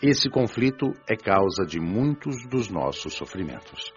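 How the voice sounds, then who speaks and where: Man playing a low, solemn preaching father, animated cadence. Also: unhurried. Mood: earnest, instructive. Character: patient, earnest father teaching as spiritist preacher. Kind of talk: audiobook radio drama, sermon-like lecture. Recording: dull lo-fi audio with music behind. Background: music.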